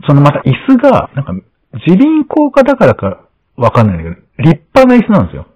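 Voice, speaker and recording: Animated storytelling man, husky lo-fi voice. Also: fairly high pitch, fast. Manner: animated storytelling, acts out quoted lines. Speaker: podcast host. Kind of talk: casual chat. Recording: dull lo-fi sound.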